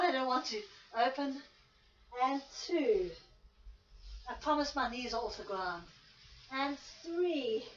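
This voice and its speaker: A woman with a fairly high voice leads an exercise class, counting and cueing each move at an unhurried pace. She sounds physically exerted as she demonstrates along, speaking informally. The sound is roomy and echoey. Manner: short step-by-step cues and counts. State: audible exertion while demonstrating. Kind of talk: spoken workout instruction with counting. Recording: echoey room, distant mic, muffled, faint noise.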